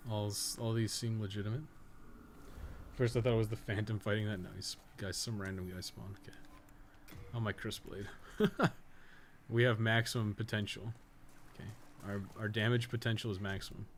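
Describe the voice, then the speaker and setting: A man's voice: lowish voice, steady tone, moderate pace, pauses often, a little hiss or hum. A man giving casual, rambling live gameplay commentary as a streamer, with some swearing. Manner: casual, profane, rambling asides. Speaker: game streamer and podcast co-host.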